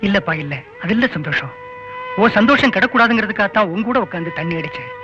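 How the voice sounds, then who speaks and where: An older uncle worn down by years of worry, who coaxes and pleads with his family. His voice sits fairly high, and it is heard over a muffled film soundtrack with loud music behind it. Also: expressive, quick pace. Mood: pleading. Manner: coaxing, earnest. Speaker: film character. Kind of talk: film dialogue. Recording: dull film audio with music.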